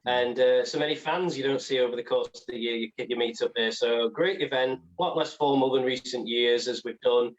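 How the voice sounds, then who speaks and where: A man's voice: medium pitch, fairly quick, few pauses. A man co-hosting a podcast in casual chat, heard through a dull lo-fi connection.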